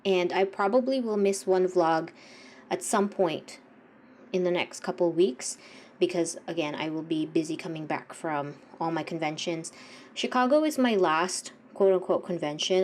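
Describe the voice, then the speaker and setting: A woman's voice: fairly low pitch, normal speed, a little hiss or hum. A young woman vlogging casually while she paints, congested and sniffly, rambling and often correcting herself. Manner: rambling, self-correcting, soft-spoken. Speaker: art vlogger. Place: home art studio.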